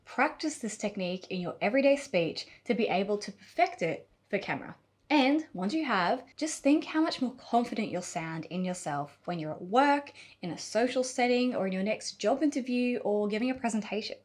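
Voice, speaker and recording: A woman giving a scripted on-camera tutorial as a video coach, speaking expressively with deliberate pauses and emphasis. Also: medium pitch, lively intonation.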